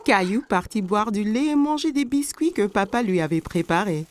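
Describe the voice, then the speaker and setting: A woman reading scripted narration for a children's cartoon in a clearly phrased storytelling manner. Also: medium pitch, lively intonation, moderate pace, slight background noise. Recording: music behind the voice. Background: background music.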